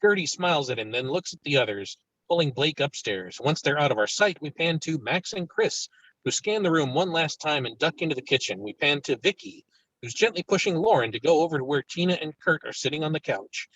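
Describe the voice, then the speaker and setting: A man's voice: on the high side, animated, fairly quick, a bit bright, dry recording, rough recording. A man reading stage directions as narrator in a virtual table read of a film script.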